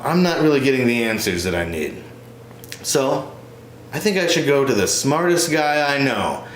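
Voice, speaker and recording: Male solo comedian playing both parts, very animated storytelling, echoey and slightly noisy stage recording. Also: medium pitch. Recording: roomy echo with faint noise.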